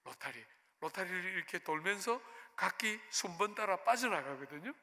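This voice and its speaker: A man's voice: sits high, animated, normal speed, sharp tone. A middle-aged male pastor preaching a sermon, telling a personal story and asking the congregation rhetorical questions. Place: church sanctuary. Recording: long hall reverb in a church.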